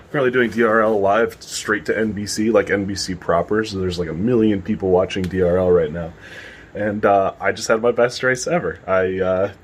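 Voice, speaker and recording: A man casually vlogging with excitement, his voice hoarse from screaming. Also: fairly low pitch. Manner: excited, chatty, laughs often. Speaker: drone racing vlogger. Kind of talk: casual vlog chat.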